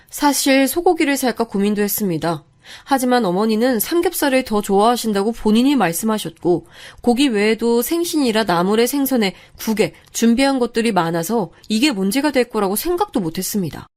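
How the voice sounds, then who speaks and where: A woman narrating a first-person story in a calm, confiding way. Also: fairly high pitch.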